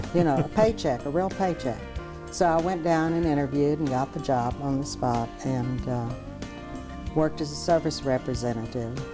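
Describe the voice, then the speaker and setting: With music in the background, a woman with a very deep, low voice and a Texan accent talks at a moderate pace with lively intonation. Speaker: retired telephone company manager. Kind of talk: oral history interview answer.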